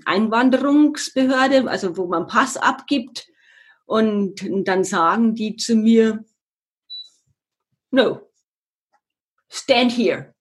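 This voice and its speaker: An older woman with a very breathy, husky voice talks as a podcast guest. She tells her story in an earnest, reflective manner, pausing now and then to find her words. Her pitch is mid-range for a woman. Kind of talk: personal storytelling in a conversation.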